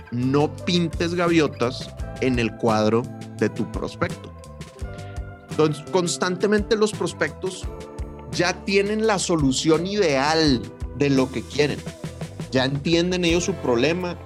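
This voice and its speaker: A man, co-hosting a podcast, telling a story in a lively way and acting out the voices of the people in it. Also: a little high. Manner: animated storyteller, acts out quoted voices. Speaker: podcast co-host, sales trainer.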